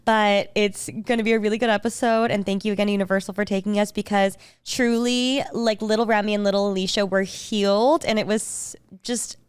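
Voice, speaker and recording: A woman's voice: medium pitch, fairly even intonation, a little fast, few pauses, smooth, no echo. Upbeat young woman podcast co-host. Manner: upbeat, earnest. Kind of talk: casual chat.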